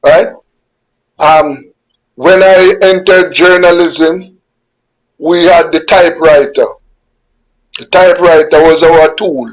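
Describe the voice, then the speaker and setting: A Jamaican man, fifties or sixties, speaks slowly and carefully as an interview guest over a webcam. His voice sits fairly high for a man. He often repeats a word or two while he settles on what to say. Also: steady tone, rough recording. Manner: measured, repeats words while forming thoughts. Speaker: guest journalist. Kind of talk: unhurried interview answers. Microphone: webcam on a video call.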